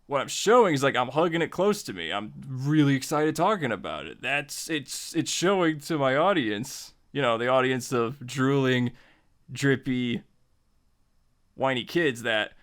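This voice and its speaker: A man's voice: mid-range voice, lively intonation, measured pace, fairly bright tone. Casual man giving a tutorial. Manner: informal, repeats phrases for emphasis, acts out example remarks. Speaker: host of a tutorial series. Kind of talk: casual, conversational writing lesson.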